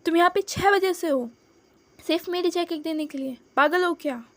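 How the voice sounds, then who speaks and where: A woman's voice: very high voice, moderate pace, voice pushed up. Woman doing a curt stern male teacher. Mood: scolding. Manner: curt, scolding.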